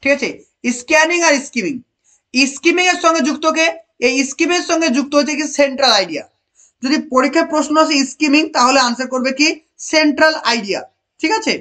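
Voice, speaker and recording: A high-pitched teacher leads an online exam-prep class. The voice asks students question after question, repeats the key answers and praises pupils by name. English options are read out slowly. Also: sharp tone.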